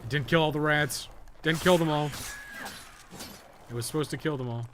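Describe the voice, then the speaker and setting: A man's voice: on the high side, normal speed, a bit bright, slight background noise. A man doing casual live gameplay commentary as a streamer, sweary and sarcastic, often muttering to himself. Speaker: game streamer, podcast co-host.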